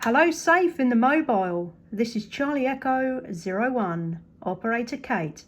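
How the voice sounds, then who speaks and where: High-voiced, upbeat woman on CB radio. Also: lively intonation, normal speed. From United Kingdom. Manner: upbeat, chatty, appreciative. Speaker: amateur CB radio operator at home station. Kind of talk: casual radio contact chat. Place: home radio station.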